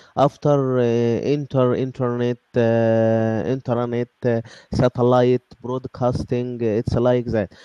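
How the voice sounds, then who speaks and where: With an Arabic accent, a man talks at a fairly slow pace and medium pitch, his tone dark and mellow, in a dry, close sound with no echo. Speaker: audience participant. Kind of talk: casual chat. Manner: halting.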